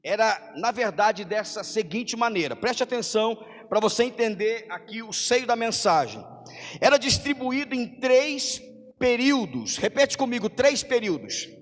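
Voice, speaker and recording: A man's voice: very high-pitched, animated, moderate pace. A man with a Brazilian accent preaching a sermon as a pastor. He calls his listeners "brother" and builds up long lists of phrases for emphasis. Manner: preaches to the congregation, calling them brother. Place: church hall. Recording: long hall reverb.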